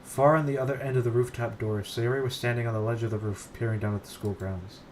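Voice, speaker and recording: A man's voice: medium pitch, steady tone, fast, a little mellow. A man streaming himself reading a visual novel aloud, breaking off into casual asides and swearing, over background noise.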